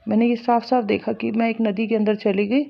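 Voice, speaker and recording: Woman telling her own spooky true story, kinda high voice, earnest and repetitive, dull lo-fi sound. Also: little pitch movement, fairly quick, creaky. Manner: earnest, repetitive, intense retelling. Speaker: spiritual storyteller. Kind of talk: personal story told to viewers.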